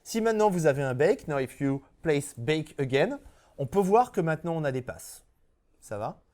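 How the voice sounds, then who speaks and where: Bilingual man teaching a software class. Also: a little high, big pitch swings, moderate pace. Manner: switches between French and English, checks on the class often. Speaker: 3D software instructor. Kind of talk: live classroom software tutorial. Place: classroom with audience.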